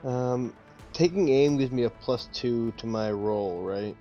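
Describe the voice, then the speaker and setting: A man with a medium-pitched voice chats casually as a game player, thinking out loud with some hesitation. His audio is dull, with faint music behind. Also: a little slow.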